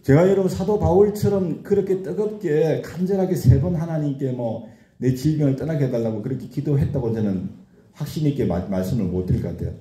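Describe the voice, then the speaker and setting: A man's voice: on the high side, fairly quick, warm tone. A man in his sixties preaching a sermon, repeating key words for emphasis and acting out anguished questions to God. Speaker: pastor. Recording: echoey room.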